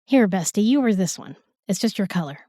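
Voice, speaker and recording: A woman's voice: mid-range voice, animated, fairly quick, warm tone, dry recording, clean studio sound, close to an everyday voice. A woman playing a sassy, irreverent young modern woman in a fantasy audio drama, wry and chatty. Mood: bossy, teasing.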